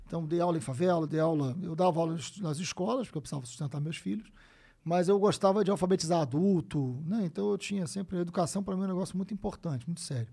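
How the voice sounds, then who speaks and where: A man, telling stories as a guest in a casual conversation, animated and full of swearing. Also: high voice, very fast, vocal fry, husky. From Brazil. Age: 50s. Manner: animated storyteller, frequent swearing and "né?" tags.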